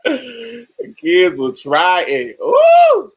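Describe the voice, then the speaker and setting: Woman, deep voice, podcast host, hugely swooping pitch, slow unhurried talk, laughs a lot. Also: husky. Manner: animated storyteller, laughs often, calls listeners honey and baby. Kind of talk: casual podcast chat.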